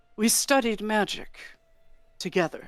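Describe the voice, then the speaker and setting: A woman's fairly high put-on character voice at a moderate pace, with music in the background. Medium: actual play. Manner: smooth, measured.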